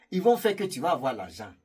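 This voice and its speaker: A man tells a story to his channel's viewers in a loose, rambling way, turning to the audience and joking between points. His voice is heavily husky, almost raspy, and sits at an ordinary male pitch. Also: wildly swooping pitch, moderate pace, darkish tone. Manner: chatty and rambling, laughing at his own jokes, addressing viewers directly. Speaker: YouTube storyteller. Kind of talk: casual spoken storytelling to viewers.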